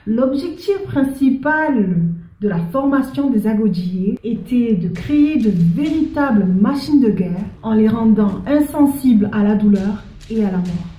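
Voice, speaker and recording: A woman presenting a history explainer, lively and speaking directly to the viewer. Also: a little high, unhurried, roomy sound, low-quality recording.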